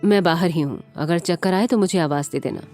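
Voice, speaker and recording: A woman voicing a caring young husband who speaks calmly and scolds gently. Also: fairly low pitch, a little fast, faint music behind, natural voice. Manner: gentle, calm, mildly scolding.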